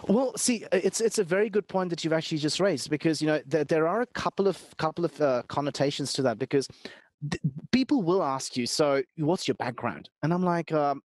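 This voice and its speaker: Emphatic man, higher voice, dry sound. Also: brisk, no echo. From India, Calcutta. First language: Bengali. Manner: earnest, emphatic, repeats words when starting. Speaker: podcast guest, business strategist. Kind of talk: conversational interview.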